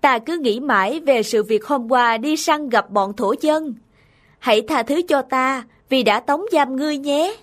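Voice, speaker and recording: A woman's voice: high-pitched, unhurried. A woman voicing a proud, hot-tempered middle-aged male tribal chief in a dramatic cartoon folk tale. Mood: reflective. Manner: imperious, dramatic. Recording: studio voice over background music.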